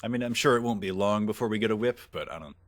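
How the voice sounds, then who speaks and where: A young man with a very low voice that sounds close and dry over a headset. He talks with his gaming friends in a flat, matter-of-fact way. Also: very fast, dry recording. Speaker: gaming group member. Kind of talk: casual voice chat.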